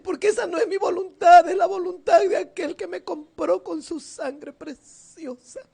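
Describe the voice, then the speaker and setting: A woman preaching a fervent sermon while seated, her voice often tearful and at times rising into loud cries. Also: extremely high pitch, fairly even intonation, moderate pace, gravelly. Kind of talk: emotional sermon. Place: seated indoors.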